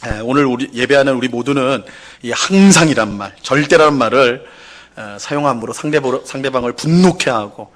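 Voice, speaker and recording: A man's voice: medium pitch, a little fast, a bit bright. A male pastor giving a Sunday sermon in a conversational style, full of fillers and rhetorical questions, who acts out quoted complaints in a raised, pleading voice. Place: church sanctuary.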